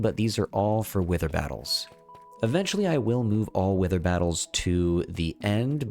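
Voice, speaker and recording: A man with a fairly low voice hosts a gaming video over background music. He sounds a little sniffly from a cold and talks casually, thinking aloud through what he is doing. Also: a little mellow. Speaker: host of a gaming video series. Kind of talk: casual gameplay commentary.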